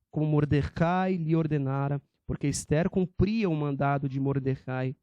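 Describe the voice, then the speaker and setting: Warm, fairly high-voiced preacher. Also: male voice, no room sound. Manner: emphatic, rhetorical, addresses listeners as brethren. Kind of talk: sermon.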